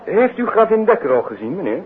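A man's voice: high-pitched, sing-song, fast talker. An actor playing a helpful, deferential and polite serviceman in a 1950s radio drama. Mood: obliging. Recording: narrow 1950s radio recording.

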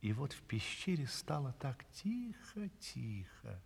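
A man narrating a fairy tale in a vintage audio play, addressing listeners intimately and dropping to a hush for suspense. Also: mid-range voice, sing-song, takes it slowly, creaky, breathy edge, in a large hall.

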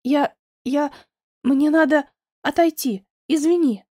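Woman doing a tearful young woman, high, raised, pleading, mellow, dry. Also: takes it slowly, dry recording. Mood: distraught. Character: distraught young woman near tears.

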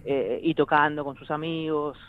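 A man's voice: fairly high pitch, steady tone, normal speed, narrow, tinny audio, a little hiss or hum. A man in his thirties with an Argentine accent, a musician guest who rambles, jokes and laughs often in a casual interview chat. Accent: Argentine Spanish. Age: 30s.

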